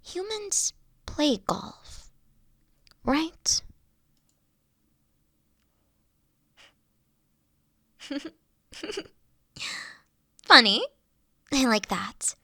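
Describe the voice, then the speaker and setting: A woman playing a big, shy, nerdy young dragon student in an intimate audio roleplay, earnest and halting. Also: medium pitch, very animated, bright, forceful tone, dry recording, studio quality, full character voice. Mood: self-deprecating, teasing. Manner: bashful, earnest, halting, giggly. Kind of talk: intimate one-sided character audio roleplay.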